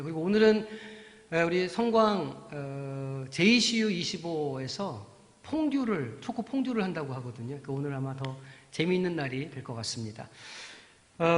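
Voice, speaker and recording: A pastor with a Busan Gyeongsang accent tells a children's sermon as an animated storyteller, acting out the voices of the people in the story. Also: male voice, a little high. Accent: Busan Gyeongsang Korean. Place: large church sanctuary. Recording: reverberant church hall.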